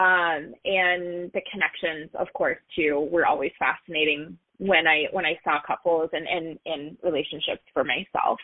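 Pitched fairly low, a woman speaks at a fairly slow pace with fairly even intonation and hardly any pauses. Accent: Upper Midwest. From Minnesota, Duluth. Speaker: astrologer and author. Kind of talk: interview. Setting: radio show.

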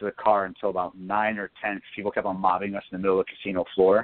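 With a normal speaking voice, a man talks at a fairly quick pace and a fairly low pitch. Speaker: caller and cosplayer. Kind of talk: casual chat. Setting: phone call.

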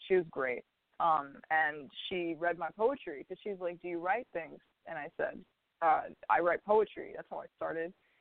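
Her voice is an ordinary speaking voice: a woman with an American accent, fairly low in pitch, at a moderate pace with lively intonation and big swings in loudness. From South Florida. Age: young. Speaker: singer-songwriter. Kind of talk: interview.

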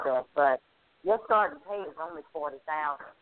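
At a fairly quick pace, the talking shows ordinary pitch variation. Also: woman. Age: 60s. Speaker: caller and grandmother. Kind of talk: call-in radio discussion.

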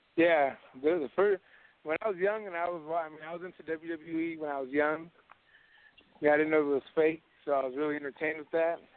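With an American accent, a man talks at a fairly quick pace in a fairly high pitch, his intonation fairly even. His loudness swings widely, and he leaves long, frequent pauses. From California. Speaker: MMA fighter. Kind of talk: interview. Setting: phone call.

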